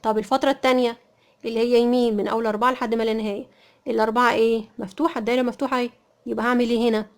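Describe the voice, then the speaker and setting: A quick-speaking woman with an Egyptian Arabic accent runs through a math lesson. Her voice sits a little high, and she keeps posing questions and answering them herself as she repeats each point. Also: little pitch movement. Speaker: math teacher.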